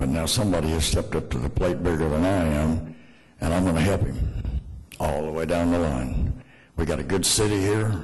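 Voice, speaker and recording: In an American accent, a man with a very deep, low pitch and vocal fry talks at a fairly quick pace with very even loudness, and audible room echo surrounds him. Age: 70s. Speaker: citizen speaker at public comment. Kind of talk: public comment at city council meeting.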